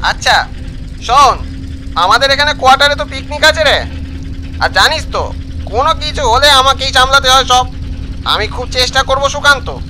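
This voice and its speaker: Very high, sharp-voiced friend a man acting. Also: normal speed, long pauses, a little hiss or hum, heavily acted. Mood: impatient, casual. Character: narrator's impatient male childhood friend on the phone. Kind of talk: animated story dialogue.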